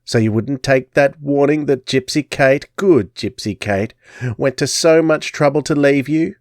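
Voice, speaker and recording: A man's voice: mid-range voice, measured pace, dry recording, clean studio sound, voice pushed up, natural voice. A man voicing a stooped old gypsy crone who cackles and croons menacingly. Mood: gloating.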